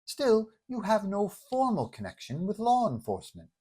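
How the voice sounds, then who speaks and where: A man's voice: sits high, huge pitch swings, moderate pace, mellow, husky, pitched above the performer's own voice, full character voice. A man voicing a skeptical magazine reporter who puts pointed questions in a superhero story. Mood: challenging.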